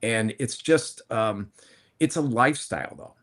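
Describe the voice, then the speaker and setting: Unhurried and a bit bright, his medium-pitched voice carries casual panel chat. The speaker, a plant-based food entrepreneur in his fifties, rambles through his story conversationally, often starting over and self-correcting.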